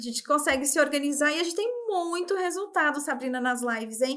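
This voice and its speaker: Her intonation is lively as this woman speaks at a moderate pace. Her pitch sits high for a woman. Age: 40s. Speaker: online accessories seller. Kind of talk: interview. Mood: warm, smiling. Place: home room.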